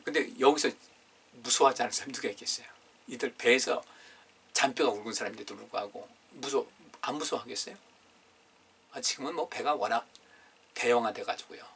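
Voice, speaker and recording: A man's voice: medium pitch, fairly quick, vocal fry, long pauses, a bit bright, slightly rough. A man pastor preaching a Friday prayer meeting sermon in a conversational way, reading scripture aloud and asking the congregation questions. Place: church. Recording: distant, room-miked sermon recording.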